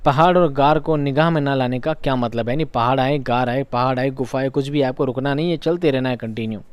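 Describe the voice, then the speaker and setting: A man's voice: medium pitch, a little fast, smooth, no echo. A male teacher giving an exam revision lesson, asking questions aloud and repeating each key answer for his students.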